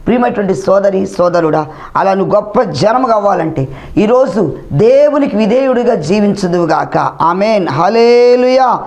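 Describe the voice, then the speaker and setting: Male pastor, high-pitched, fervent sermon delivery, echoing scripture lines back to the congregation. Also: lively intonation, moderate pace, a little mellow. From India. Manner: preaching with repeated hallelujahs and amens; echoes the scripture reader's words back. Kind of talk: Telugu sermon with Bible readings.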